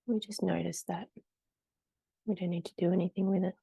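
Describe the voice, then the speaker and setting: A woman leading a guided meditation in a gentle, soothing, unhurried way with long pauses between short phrases. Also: fairly low pitch, fairly even intonation, creaky, breathy edge, no room sound, clean studio sound.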